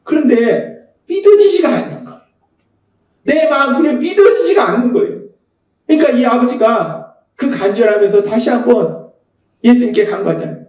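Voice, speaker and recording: A man preaching a Sunday sermon as pastor, emphatic and repeating key phrases, sometimes rising to shouts. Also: extremely high pitch, sing-song, normal speed, long pauses. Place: church sanctuary. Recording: echoey church hall, mic at a distance.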